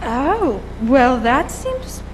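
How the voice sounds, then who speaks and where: A woman's voice: high voice, very animated, very slow, exaggerated voice. An actress playing a bubbly, sarcastic young woman on a date, performing on a school auditorium stage. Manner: bubbly, sarcastic, laughs often. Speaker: stage actor. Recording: echoey auditorium, faint noise.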